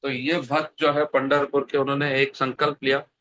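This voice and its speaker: A man's voice: mid-range voice, level tone, normal speed, fairly bright tone. A man giving a devotional scripture sermon over an online video call, telling stories and asking his listeners questions. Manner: storytelling, asks the audience questions. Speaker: scripture speaker. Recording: dry, slightly dull online call audio.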